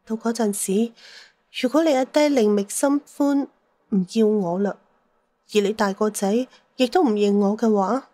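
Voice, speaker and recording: A woman's voice: medium pitch, dark tone, no echo, close to an everyday voice. A woman playing a shrewd, jealous, sentimental middle-aged mother in an audio drama, with plaintive, theatrical sighs. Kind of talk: Cantonese audio drama acting.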